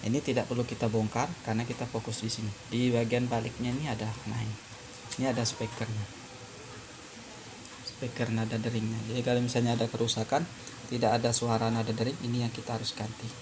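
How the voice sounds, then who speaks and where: A man narrating an informal hands-on repair tutorial as presenter, explaining step by step in a halting way with frequent pauses. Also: medium pitch, completely flat delivery, noisy background.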